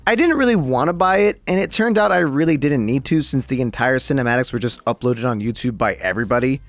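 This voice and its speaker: A man's voice: on the high side, no room sound. A man hosting a scripted video game guide, casual and playful with sarcastic asides, on a close mic. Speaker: host of a gaming guide channel.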